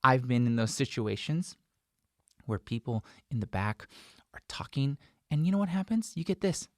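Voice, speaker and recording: In a small home studio, a man in his forties, an instructor and video host, gives an informal tutorial to camera, driving points home by repeating them and acting out sample remarks. His pitch is medium with big swings, his pace moderate. A desk microphone close in front of him yields studio-quality sound with no echo.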